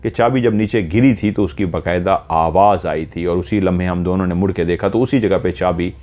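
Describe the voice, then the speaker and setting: A man narrating a horror story in the first person, slow and measured, retelling events step by step. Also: low-pitched, warm tone.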